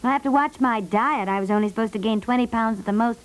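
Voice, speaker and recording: An actress playing a sensible, gently protesting expectant wife in a naturalistic 1950s radio comedy, polite and reasoning. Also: female voice, on the high side, fast talker, lightly acted. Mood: mildly protesting. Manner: polite, reasoning, mildly exasperated.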